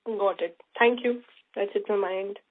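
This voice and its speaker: A woman politely and haltingly asking questions as an analyst on an earnings call. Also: mid-range voice, fairly even intonation. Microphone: phone. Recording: narrow phone line.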